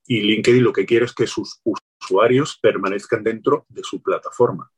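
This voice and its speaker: A man speaking as an interview guest, explaining marketing tips in a relaxed, advice-giving way, often restarting his phrases. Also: on the low side, normal speed, husky. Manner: explanatory, many restarts and "pues". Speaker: guest, LinkedIn sales consultant.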